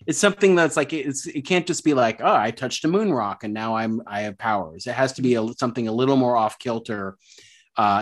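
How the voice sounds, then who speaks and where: A man co-hosting a podcast, mid-pitched voice. He chats loosely and rambles through his points, leaning on casual fillers. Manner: relaxed, rambling with "like" and "you know". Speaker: podcast co-host. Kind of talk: casual chat.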